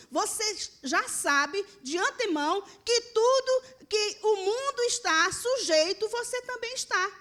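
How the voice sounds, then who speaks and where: High, bright-voiced Brazilian woman preaching. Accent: Brazilian Portuguese. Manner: preaching earnestly to the congregation, addressing them as brothers. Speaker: pastor. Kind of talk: sermon. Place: church.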